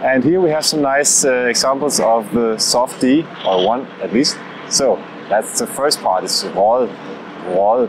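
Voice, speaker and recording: Male speech at a fairly slow pace and medium pitch, with ordinary pitch variation, very even loudness and noticeable background noise. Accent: Danish. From Denmark. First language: Danish. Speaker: language teacher. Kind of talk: tutorial.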